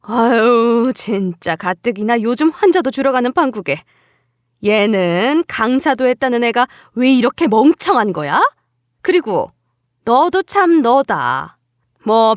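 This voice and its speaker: A woman's voice: on the high side, no room sound, clean studio sound. A woman voicing a scornful older woman doctor who scolds and belittles her daughter-in-law in a dramatized story reading. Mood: scolding. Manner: sneering, scolding, contemptuous.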